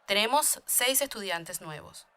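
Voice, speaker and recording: A woman's voice: medium pitch, lively intonation, measured pace, sharp tone, clean tone. A woman reading a scripted chatty dialogue for a beginner language lesson.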